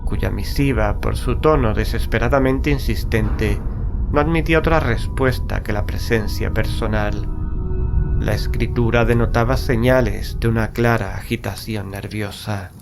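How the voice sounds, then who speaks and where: Solemn gentleman horror narrator played by a man, music behind. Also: fairly low pitch, gravelly. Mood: somber dread. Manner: solemn, literary, deliberate. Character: melancholy gentleman narrator, oppressed by dread. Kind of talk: scripted dramatic horror narration.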